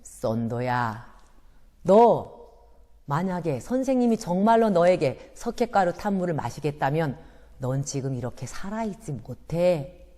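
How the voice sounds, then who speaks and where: A stern school principal, played by a woman telling a story speaks quietly and in a measured way, lower than the storyteller's usual voice. A long echo trails behind each word. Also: very animated.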